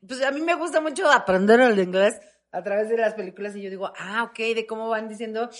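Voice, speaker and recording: Mexican woman with a high voice, animated storyteller, does the voices. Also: fairly quick. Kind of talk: casual chat.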